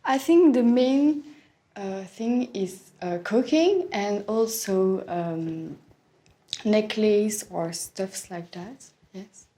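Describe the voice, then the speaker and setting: A young woman answers as a candidate in a speaking test. Her voice is soft-edged and mellow, and she goes slowly. She is hesitant, searching for words and building simple, sentences. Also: mid-range voice. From Belgium. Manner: hesitant, searching for words, non-native phrasing.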